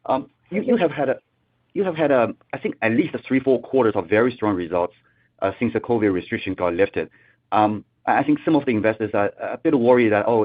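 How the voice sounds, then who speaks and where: A man's voice: on the low side, no room sound. A man asking questions as an analyst on an earnings call, polite and rambling, repeating words. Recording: narrow dry telephone line.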